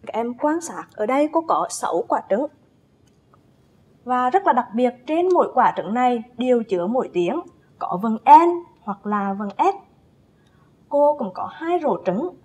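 A woman teacher giving a first-grade phonics lesson, speaking with slow, careful enunciation and drawn-out spelling drills as she calls young pupils to read along. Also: on the high side, a little mellow, husky. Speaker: primary school teacher.

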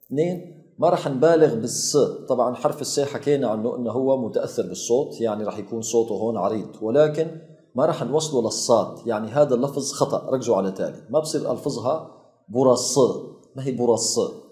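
A man teaching pronunciation, slow and careful, repeating each word for his students. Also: medium pitch, dark tone. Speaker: Turkish language teacher. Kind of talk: pronunciation lesson. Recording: echoey room.

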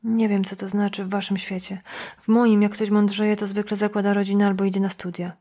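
A brash, street-smart woman who sneers and speaks bluntly and coarsely, as a woman reads her in an audiobook. Her pitch sits in an ordinary middle range. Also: little pitch movement, a little fast, mellow, close to an everyday voice. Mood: mocking. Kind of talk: audiobook dialogue.

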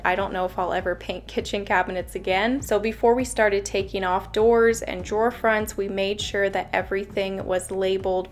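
A young woman, a home renovation vlogger, narrating a voice-over in a cheerful, chatty way and explaining each step. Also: medium pitch. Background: faint background music.

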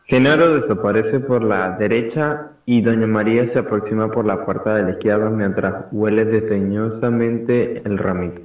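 A man's voice: fairly low pitch, fairly even intonation, moderate pace, few pauses. A young man with an Argentine accent narrating a radio play, reading out its stage directions. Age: teens or young adult. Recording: echoey, distant, dull sound.

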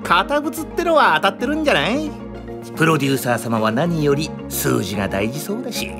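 An actor playing an easygoing, quietly confident male stage director with a breezy, playful manner in a voice drama. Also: on the high side, sing-song, brisk, music in the background. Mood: breezily firm. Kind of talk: anime-style voice drama acting.

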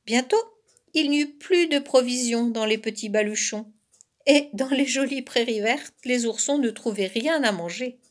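A woman volunteer reading a children's tale aloud in a slow, expressive storytelling manner. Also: a little high.

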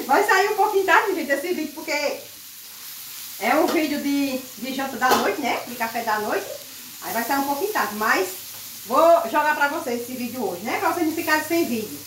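A woman vlogging casually while she cooks at the stove at home, loud and chatty, laughing often. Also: high-pitched, lively intonation, normal speed, a little hiss or hum. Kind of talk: casual chat while cooking. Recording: echoey kitchen, mic set far off.

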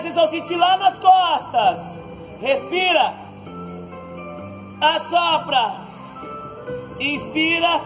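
A Brazilian man leading an outdoor stretching class, giving calm breathing cues and joking lightly as he moves the group through each pose. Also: extremely high pitch, low-quality recording. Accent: Brazilian Portuguese. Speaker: fitness instructor. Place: outdoor court, large open space. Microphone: far camera on the ground. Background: background music.

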